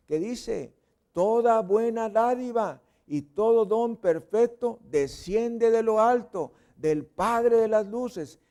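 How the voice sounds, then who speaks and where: A male pastor with a Mexican accent preaches in a high, unhurried voice. He acts out little sounds and voices, swinging from loud bursts to a hush. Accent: Mexican Spanish. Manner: playful, acts out sounds and voices with sudden loud and whispered bits. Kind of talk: sermon. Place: church service.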